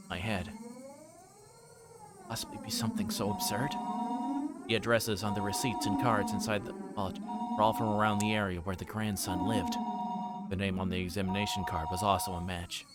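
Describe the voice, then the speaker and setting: A man's voice: fairly low pitch, normal speed, loud music behind the voice. A man reading visual novel narration aloud on a livestream, sometimes stumbling and rereading words. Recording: clearly noisy background.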